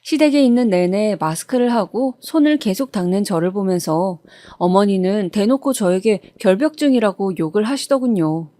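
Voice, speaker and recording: A woman reading a first-person true-life story in a steady, even storytelling manner, recorded on a close studio mic. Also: medium pitch, moderate pace, no room sound.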